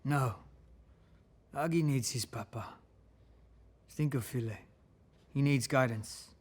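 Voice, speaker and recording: A man's voice: medium pitch, slow pace. A man playing a wise old tribal elder, firm and fatherly, at a table read of a fantasy drama.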